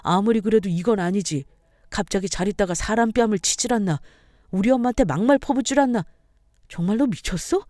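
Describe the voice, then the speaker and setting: A woman's voice: medium pitch, fairly quick, a little mellow, no room sound, studio quality, lightly acted. A woman voicing an angry, defensive young husband who demands an apology. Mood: indignant.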